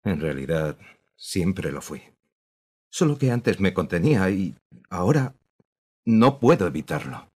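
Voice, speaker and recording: A man playing an unrepentant, disgraced old teacher in a radio drama. He speaks in a calm, measured and cold way. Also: low-pitched, breathy edge, exaggerated voice. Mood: cold, resigned. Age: older.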